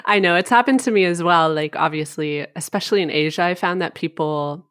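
A woman's voice: lowish voice, fairly quick, fairly bright tone, smooth, no echo, clean studio sound. A young woman hosting a podcast, asking questions in a casual, curious chat. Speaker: podcast host.

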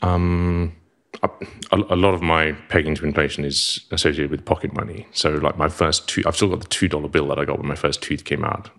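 A middle-aged Zimbabwean man, his accent softened by years in England, is a guest on a casual podcast, speaking with clipped vowels and a wry, self-deprecating humor. His voice rumbles low, steady in tone and fairly quick.

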